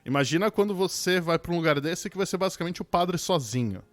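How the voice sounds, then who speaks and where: Teasing Brazilian man with a lively voice. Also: high voice, fast, no room sound, faint music behind. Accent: Brazilian Portuguese. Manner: teasing, joking. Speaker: podcast co-host. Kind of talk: casual chat.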